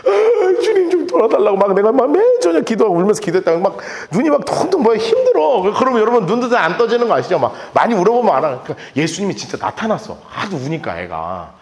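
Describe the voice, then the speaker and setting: Male pastor, animated sermon delivery, high and expressive, echoey church sanctuary. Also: fast, few pauses. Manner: animated, lively storytelling with acted-out quotes and laughter. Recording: echoey church hall with long reverb.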